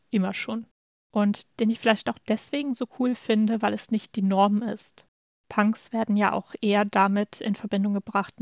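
A woman in her twenties co-hosts a chatty podcast, her voice carrying a gravelly fry. The sound is dry and a little dull, like a home podcast mic. She speaks in an even, measured way. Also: mid-range voice, dry recording. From Germany. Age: 20s. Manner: reads content notes in a measured way. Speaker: podcast co-host. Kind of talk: casual podcast chat.

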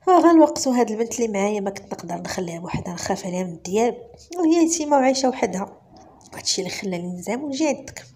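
A chatty older midwife talks rapidly in Moroccan Arabic, familiar and a little pleading on behalf of the girl she brings. She is put on by a woman storyteller with little change from her own voice. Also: mid-range voice, animated, a little mellow, slightly rough.

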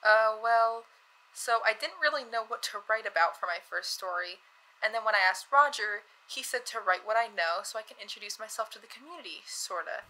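A woman's voice: on the high side, expressive, brisk, pushed and bright, poor audio. A young woman playing an eager, nervous cub reporter in an audio drama, chatty, hesitant and self-conscious.

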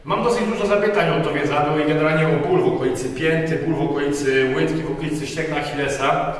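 A man's voice: fairly high pitch, fast. A man in his thirties giving an informal, step-by-step exercise tutorial as an instructor, speaking to a camera in an indoor gym. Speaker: physiotherapy and fitness instructor. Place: large indoor gym with rubber floor. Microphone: camera a few metres away. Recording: very echoey gym, far from microphone.

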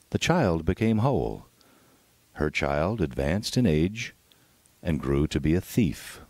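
Deep voiced guy doing a solemn sermon reading, very dramatic, dry close sound. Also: darkish tone, no room sound. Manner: solemn, dramatic oratorical delivery. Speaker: reader of a devotional book.

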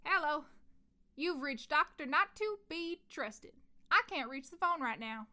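A woman's voice: high voice, animated, measured pace, pushed and bright, slight background noise, exaggerated voice. A woman playing a scheming, grandiose scientist villain in a comedic audio drama. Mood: theatrical. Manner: grandiose, falsely reassuring, blunt. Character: scheming, theatrical female velociraptor scientist villain.

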